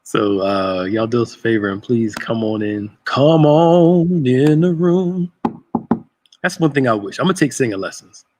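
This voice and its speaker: A man's voice: medium pitch, expressive, a little slow, darkish tone, slight background noise. A man in his thirties, a pastor hosting a casual chat show from a church sanctuary, laid-back and joking. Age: 30s.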